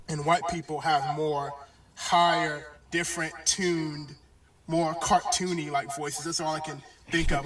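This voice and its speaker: A man giving a bible lesson in a halting way, with many pauses and fillers. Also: on the high side, fairly bright tone. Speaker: religious teacher. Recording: echoey, distant video playback.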